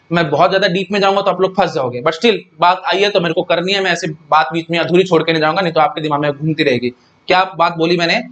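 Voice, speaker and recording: A man's voice: sits high, fairly bright tone. A man giving a casual, chatty lecture, repeating points and often checking whether students follow. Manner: chatty, repeats himself, keeps asking students if they follow. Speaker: teacher.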